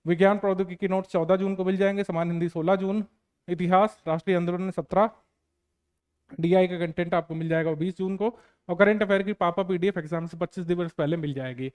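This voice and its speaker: A man teaching an exam strategy lesson, giving earnest, repetitive advice with frequent fillers and pauses. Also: sits high, fairly even intonation, darkish tone, clear, resonant tone.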